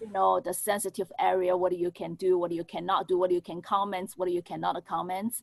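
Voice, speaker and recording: With a Chinese accent, a woman at medium pitch talks at a fairly quick pace with hardly any pauses, her intonation monotone and flat, in a dry, close sound with no echo. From China and Singapore. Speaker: business owner. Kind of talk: panel discussion. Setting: video call. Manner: halting.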